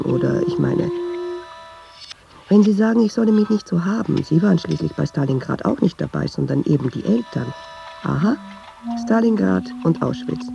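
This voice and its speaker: A woman's voice: lowish voice, gravelly, dull audio, background noise. An actress playing a chatty, ironic Jewish woman who tells restless, digressive, insistent stories in a radio drama. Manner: wry, digressive, insistent storytelling. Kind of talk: radio drama monologue in dialogue.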